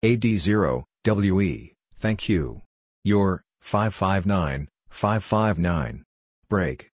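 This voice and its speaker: A man with a low, deep voice reads brief phrases for a code lesson, each a separate burst, often repeated. The sound is dry and close, with no room around it. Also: expressive, takes it slowly, no echo. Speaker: Morse code practice reader. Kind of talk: slow scripted reading of phrases.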